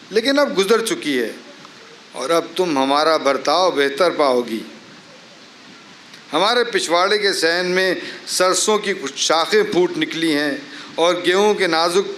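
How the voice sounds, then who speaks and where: Guy doing imprisoned husband reading his letters to his wife, really quick, eloquent, faint noise behind him. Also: fairly high pitch, fairly bright tone, natural voice, low-quality recording. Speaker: dramatic reader. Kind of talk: dramatic reading of letters on stage. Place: outdoor garden festival stage. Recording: live outdoor festival, faint background noise.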